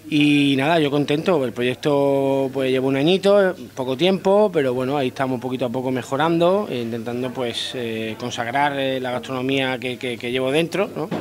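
A man's voice: medium pitch, moderate pace, few pauses. A man in his thirties, a chef, answering interview questions in a restaurant dining room into a handheld mic, often repeating words and restarting. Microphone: handheld interviewer mic held close.

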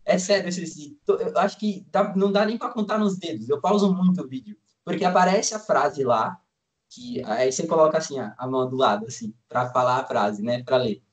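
A young man around nineteen, from Brazil, talks in a loose, rambling way, filling his sentences with little hedges and restarts. His voice sits a bit higher than most men's, and the delivery stays easygoing and conversational. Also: fairly quick. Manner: relaxed, rambling, many fillers like "tipo" and "assim". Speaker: student guest. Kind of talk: casual interview chat.

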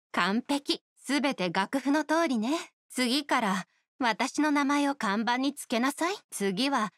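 An actress voicing a proud, perfectionist young oni musician in a Japanese video game, poised, exacting and self-assured. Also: female voice, high voice, a bit bright, dry recording, clean studio sound. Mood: pleased, self-assured.

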